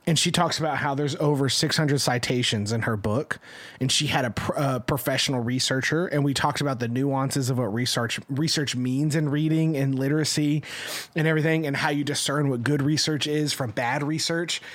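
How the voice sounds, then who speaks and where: A man co-hosting a podcast in casual discussion, talking in an animated, argumentative way and often tagging points with questions. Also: medium pitch, normal speed. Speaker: podcast co-host.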